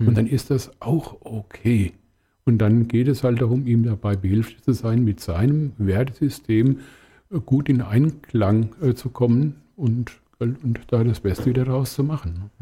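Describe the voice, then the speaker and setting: A man with a Hessian accent has a dark, mellow tone that is somewhat breathy. His pitch varies in an ordinary way. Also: medium pitch for a man, fairly slow pace. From Hesse, Main-Kinzig district. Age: 60s. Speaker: life coach. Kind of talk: radio interview. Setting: radio studio.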